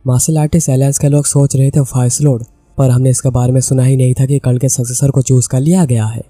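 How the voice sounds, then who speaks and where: A man with an Indian accent narrating a comic story recap, voicing the characters' lines in his own steady voice. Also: mid-range voice, fast, husky, no echo. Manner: steady retelling, reads characters' lines in the same voice. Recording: dry close recording with soft background music.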